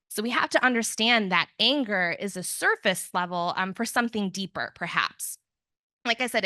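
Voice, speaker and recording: A young woman counselor gives a relaxed, conversational conference talk, slipping into quoted voices and joking at her own expense. Her voice is bright and clear. The sound is dry and close. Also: medium pitch, no room sound. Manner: conversational, self-deprecating asides, acts out quotes. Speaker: grief counselor.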